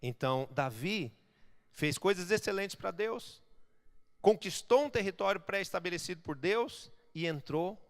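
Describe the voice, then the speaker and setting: A male pastor delivers a sermon in a fairly high voice. He preaches emphatically and swells into loud exhortations. His voice carries a long reverberation from the church hall. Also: lively intonation, measured pace.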